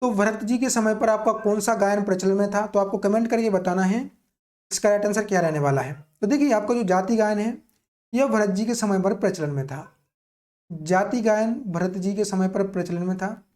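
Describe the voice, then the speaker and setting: Mellow high-voiced Indian male teacher. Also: normal speed. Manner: didactic, repeats key points as questions and answers. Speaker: music teacher. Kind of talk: exam-prep lesson, explaining quiz questions.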